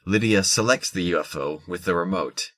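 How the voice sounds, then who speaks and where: Male narrator, low-pitched, forceful bright tone, measured storytelling, scripted audio drama, dry studio-like sound. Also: no echo.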